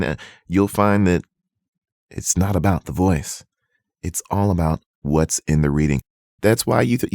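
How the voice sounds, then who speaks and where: Deep-voiced man giving voice acting tips. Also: darkish tone, no room sound, studio quality. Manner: casual, conversational, earnest advice. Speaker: voice acting coach. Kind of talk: tutorial.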